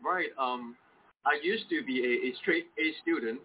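A young man from Hong Kong with a Cantonese accent, telling his story as an interview guest, halting and restarting often. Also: medium pitch. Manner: halting, many restarts and repeated words. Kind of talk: personal testimony in an interview. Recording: tinny phone-like sound with faint noise.

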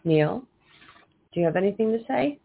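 A woman's voice: medium pitch, animated, moderate pace, creaky, husky. A woman co-hosting a casual call-in radio show, with a stuffed-up, nasal voice as if her nose is blocked. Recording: tinny phone-like line, faint hiss.

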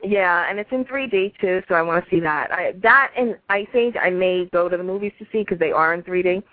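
A woman's voice: on the low side, fairly quick, dry recording. A woman chatting casually and bluntly as a phone-in co-host. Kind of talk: casual chat. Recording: dry tinny phone line.

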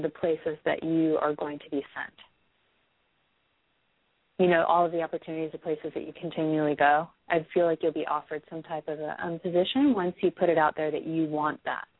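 A hoarse woman with a cold, giving a psychic reading to a caller, hesitant with many ums before firm predictions. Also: low voice, no echo. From United States. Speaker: psychic reader. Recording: dry, phone-quality sound.

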